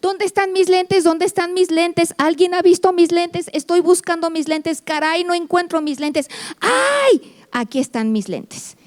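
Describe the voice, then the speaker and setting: A woman's voice: very high-pitched, moderate pace, hardly any pauses, darkish tone, pitched above the performer's own voice. A woman with a Mexican accent voicing a flustered mother who keeps fretfully repeating herself while hunting for her glasses.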